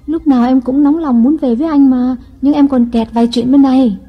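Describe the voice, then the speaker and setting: A man's voice: extremely high pitch, fairly even intonation, brisk, husky, highs cut off, voice pushed up, exaggerated voice. A man voicing a scheming young wife who coaxes and pleads in a sweet, whiny tone. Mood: coaxing.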